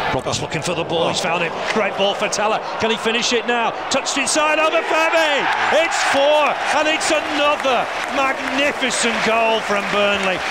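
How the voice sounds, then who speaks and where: The speaker talks at a moderate pace over loud background noise. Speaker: match commentator. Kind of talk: sports commentary. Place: stadium.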